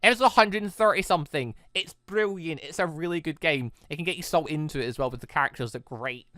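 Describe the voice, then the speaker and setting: A man hosting a gaming video, chatting casually in a rambling, excitable way as he comments on his playthrough. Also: a little high, fast talker, dry recording. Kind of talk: casual let's play commentary.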